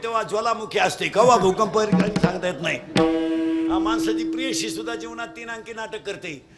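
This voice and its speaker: A man preaching a humorous devotional kirtan sermon, mocking and mimicking people as he talks. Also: sits high. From Maharashtra. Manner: lively, mocking, mimics people in their own voices.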